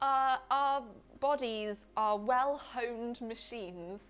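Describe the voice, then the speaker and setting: This woman's voice is high-pitched. Her intonation sounds lively. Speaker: science YouTuber teaching an online course. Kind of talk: livestream lecture. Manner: casual, chatty with fillers.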